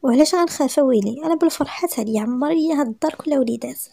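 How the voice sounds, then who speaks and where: A woman's voice: sits high, rapid-fire, creaky, dark tone. A woman voicing a knowing, teasing older woman in a story, with a Moroccan accent and sly, suspicious manner. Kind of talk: storytelling with acted dialogue.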